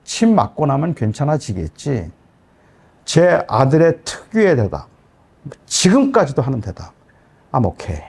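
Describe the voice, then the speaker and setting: A man's voice: a little high, wildly swooping pitch, measured pace, vocal fry, breathy edge. A middle-aged man, a pastor, telling a personal story in a sermon with emotional storytelling. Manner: emotional storytelling, rising to loud outbursts.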